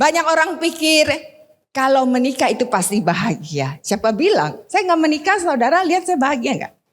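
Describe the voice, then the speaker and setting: A woman talks in a high voice at a fairly quick pace. Her pitch swings very widely. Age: 60s. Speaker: motivational speaker. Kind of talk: testimony.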